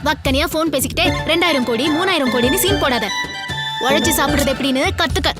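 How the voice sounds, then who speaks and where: A woman's voice: sits high, quick pace, lightly acted. A woman playing a stern young woman. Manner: scolding, curt. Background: film score music.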